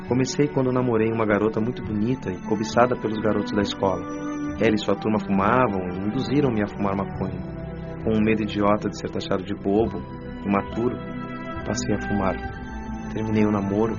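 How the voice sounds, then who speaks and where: A remorseful young male spirit, played by a man tells his story earnestly in a lowish voice. The sound is dull and lo-fi. Clear music runs behind him. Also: natural voice. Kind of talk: radio drama acting.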